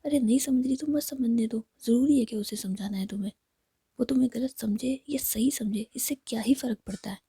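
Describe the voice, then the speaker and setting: A woman's voice: on the high side, brisk, mellow, breathy edge, dry recording, clean studio sound. A woman whispering the lines of a pushy young male friend on the phone, prodding and dismissive.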